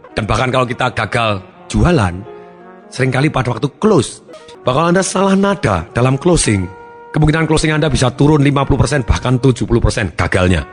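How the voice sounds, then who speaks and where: Emphatic male motivational speaker in a hall. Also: mid-range voice. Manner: emphatic, acts out tones of voice to demonstrate. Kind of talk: motivational seminar talk. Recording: long hall reverb, faint music behind.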